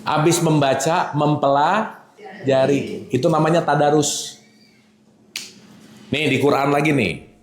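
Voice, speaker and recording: Lively guy giving a casual religious talk, voice sits a bit high, keeps asking the crowd if they got it, echoey room. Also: slow pace, pauses often. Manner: animated, teasing, checks in with the audience. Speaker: religious teacher.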